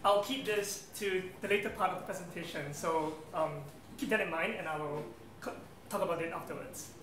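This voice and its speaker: A brisk, high, fairly bright voice belongs to a man from Singapore in his thirties, appearing as a guest speaker. He gives an event-room presentation laced with ums and friendly asides, recorded with a roomy hall sound and faint noise.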